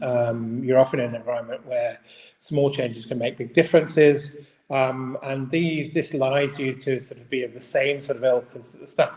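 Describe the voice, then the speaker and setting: Deep-voiced man in a very echoey room. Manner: halting, rambling, frequently rephrasing mid-sentence. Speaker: business mentor hosting a daily live video. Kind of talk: informal unscripted monologue to camera. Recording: very echoey room, long reverb.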